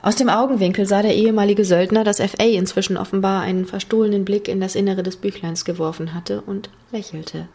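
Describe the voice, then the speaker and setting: Husky, gravelly woman narrating. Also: medium pitch, steady tone, fairly quick, few pauses, mellow. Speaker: audiobook narrator. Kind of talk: scripted narration of a thriller.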